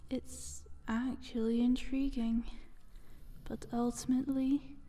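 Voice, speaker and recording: A woman playing a sly, taunting eldritch monster in a soft, breathy, half-whispered ASMR roleplay. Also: on the high side, little pitch movement. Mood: sly, amused. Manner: slow, teasing, condescending.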